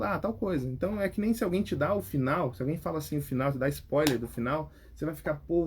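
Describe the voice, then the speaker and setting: Husky Brazilian man giving advice. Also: on the high side. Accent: Brazilian Portuguese. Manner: animated, direct, repeats words and restarts. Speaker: speaking coach. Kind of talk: casual advice talk.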